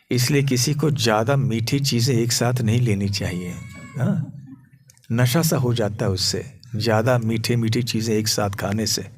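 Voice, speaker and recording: A man, a monk and preacher, telling a sacred story in a sermon at a temple, in a measured, gentle way with hesitant pauses. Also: medium pitch. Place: temple on a pilgrimage tour.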